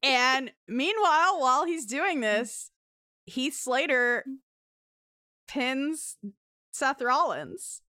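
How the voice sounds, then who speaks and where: A woman with a bright, clean, crisp voice tells a story with lively enthusiasm and frequent laughter. The sound is dry and close, with almost no room around it. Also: sits high, very slow, long pauses, no room sound. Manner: animated storyteller, laughing often. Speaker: podcast host. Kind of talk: casual chat, recounting a wrestling segment.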